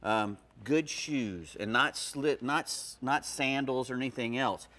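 A middle-aged man with a sharp tone and a mid-range voice speaks at a measured pace as a guest fishing expert. Chatting casually in a TV studio, he rambles in a folksy way and keeps starting over.

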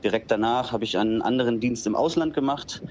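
A man in his thirties from Berlin, raised in northern Germany, talking as a guest in a relaxed interview, often filling with small agreeing words. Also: medium pitch, fast talker, muffled recording, a little hiss or hum. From Berlin-Spandau, raised in Dithmarschen. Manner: relaxed, fills with "genau" and "ähm". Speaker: interview guest, bistro owner. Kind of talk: casual interview.

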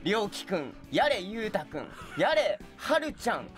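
Male studio guest, animated and high, mock-aggrieved comic banter, faint music behind. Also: moderate pace. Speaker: radio guest, stage actor. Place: radio studio.

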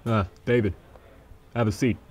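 Man doing a gruff crime boss, low voice, calm, commanding, dismissive, radio play. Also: moderate pace, noisy background, natural voice. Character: gruff older male crime boss Frank. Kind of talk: amateur radio drama.

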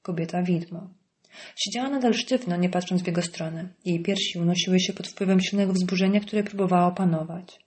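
A woman narrating an audiobook in a calm, even storytelling manner. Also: lowish voice, fairly quick.

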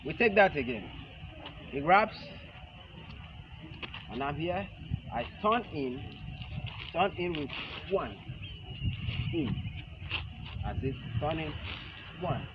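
A man in his thirties teaching a hands-on self-defense lesson in short, halting phrases, repeating his instructions. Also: on the high side, expressive. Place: large open concrete outdoor arena with stepped stands. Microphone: camera a few metres away. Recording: muffled outdoor camera audio, loud ambient noise. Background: loud outdoor ambient noise.

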